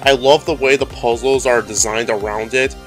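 A man's voice: mid-range voice, fairly even intonation, normal speed, low-quality recording. A man giving short prepared commentary on a video game as a guest contributor. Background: music behind the voice.

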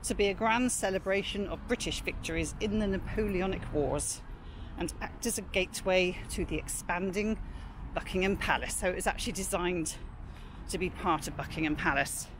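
A woman's voice: on the low side, moderate pace. A woman narrating a walking tour of a city park in a chatty, informal way, recorded on a camera mic while walking outdoors. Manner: chatty, informal, reads out prices and history. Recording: outdoor street noise with traffic.

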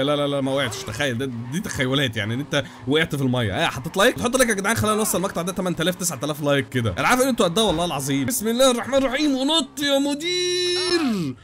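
A young Egyptian man races through excited gameplay commentary in a high, bright register, his words tumbling out very fast. He bursts into exclamations and playful shouts, with a faint hiss of noise behind him. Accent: Egyptian Arabic. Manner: rapid, animated, shouts and exclamations. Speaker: gaming YouTuber.

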